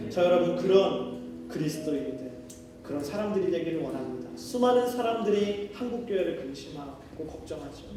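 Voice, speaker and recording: Fervent preaching man in echoey hall. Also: fairly high pitch. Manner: fervent, rising to loud pleading in prayer. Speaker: pastor. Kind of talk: sermon and fervent prayer. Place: church worship hall. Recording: echoey hall from far off with music.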